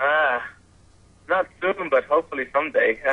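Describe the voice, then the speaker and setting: A man delivers his words at a fairly slow pace while noticeable background noise carries on. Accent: Puerto Rican. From Puerto Rico. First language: Spanish. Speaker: racing driver. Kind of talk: interview. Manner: halting.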